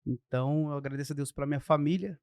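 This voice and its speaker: A Brazilian man in his thirties, a pastor telling his faith testimony in a podcast interview, lively and acting out the people in his story. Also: on the high side, fast talker, clear, resonant tone, dry recording, clean studio sound. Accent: Brazilian Portuguese. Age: 30s.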